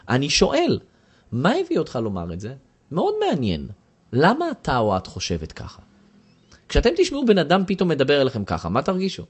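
A man's voice: a little high, slightly rough. A man giving a lecture to a class and asking the audience questions. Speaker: teacher.

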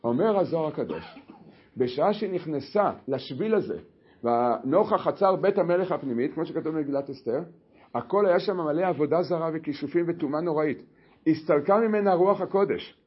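A man teaching a Torah lesson, telling the story in an animated way with many restarts. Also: fairly high pitch, husky, dull audio. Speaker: religious teacher.

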